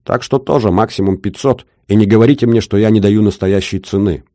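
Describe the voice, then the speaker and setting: A man's voice: on the low side, fairly quick, dark tone, dry recording, clean studio sound, natural voice. A man voicing a shrewd older jeweler with an Odessa accent, talking in a wheedling, sing-song bargaining patter. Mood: haggling. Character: shrewd older male jeweler, haggling, fussy.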